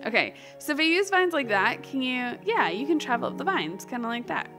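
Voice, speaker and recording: A woman giving casual, chatty gaming commentary, giggly and excitable, often talking to herself as she plays. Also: high-pitched, brisk, over music. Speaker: gaming video host.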